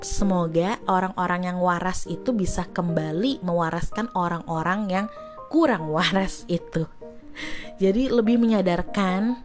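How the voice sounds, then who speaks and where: A young woman with a Jakarta accent hosting a casual solo podcast, ranting in a chatty, slangy, exasperated way. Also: medium pitch. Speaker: podcast host.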